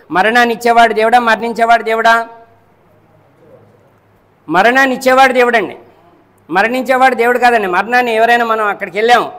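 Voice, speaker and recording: High-voiced man preaching in an echoing hall. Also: fairly bright tone. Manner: rhetorical, keeps checking the listeners understand; repeats and counts off points. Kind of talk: Friday sermon. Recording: long echo of a large hall.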